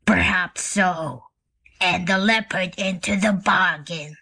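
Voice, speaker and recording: A woman voicing a hungry male grizzly bear in a storybook reading, speaking slowly and low, half-whispered. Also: creaky, bright, forceful tone, husky, exaggerated voice. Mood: menacing.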